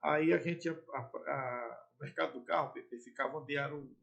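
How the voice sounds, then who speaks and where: A middle-aged man with a playful, animated way of telling stories about his years in radio and TV. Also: medium pitch, normal speed, gravelly. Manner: playful, animated storyteller with jumps in loudness. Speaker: former sports broadcaster and TV presenter. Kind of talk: casual storytelling interview.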